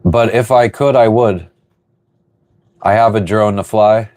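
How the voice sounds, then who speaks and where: A man hosting a casual livestream from his sailboat, reading viewer comments aloud and rambling through relaxed answers. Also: lowish voice, a little slow. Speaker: livestream host answering chat. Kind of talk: casual live chat. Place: on board a sailboat.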